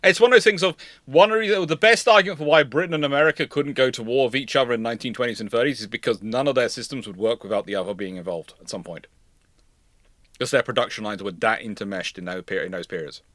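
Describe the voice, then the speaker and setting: On a naval history livestream, the male host talks fast in a medium-pitched, fairly bright voice with no room sound. His casual, analytical discussion wanders, and he frequently repeats and rephrases phrases.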